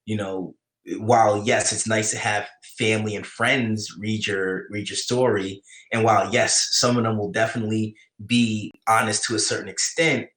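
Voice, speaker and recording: A man's voice: lowish voice, fairly even intonation, normal speed, a bit bright. A man with a New York accent, chatting casually on his live writing stream, rambling with many restarts as he answers chat. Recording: echoey room.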